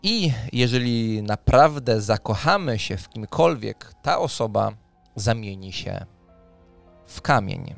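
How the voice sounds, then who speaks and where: A man in his thirties hosting a talk on tabletop games, speaking haltingly into a close microphone. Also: mid-range voice, animated, vocal fry, soft background music. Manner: halting, hesitant delivery with drawn pauses. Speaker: podcast host. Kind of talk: conversational presentation of tabletop RPG ideas. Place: small dim room indoors, on video call. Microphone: close studio microphone on arm, headphones.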